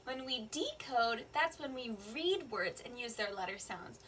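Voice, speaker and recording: Kindergarten teacher lady, high bright voice, drawn out sing-song words, kinda far from the mic w/ faint room hum. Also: expressive. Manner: slow, clear, sing-song teacher talk to small children. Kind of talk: online kindergarten reading lesson. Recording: slightly distant mic with faint room ambience.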